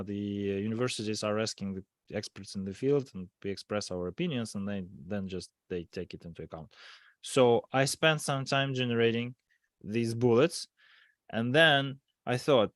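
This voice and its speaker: A man's voice: lowish voice, no room sound, clean studio sound. A man, an English speaker, telling things casually as an expert panelist. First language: not English. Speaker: podcast panelist, cybersecurity expert. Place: remote online call.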